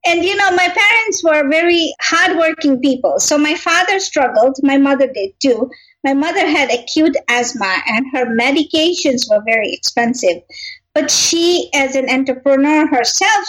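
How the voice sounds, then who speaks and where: A woman's voice: high voice, fairly bright tone, rough recording. A middle-aged woman from Kenya, a guest in an interview, telling family stories in a reflective way, often saying "you know" and laughing lightly. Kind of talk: personal storytelling in an interview.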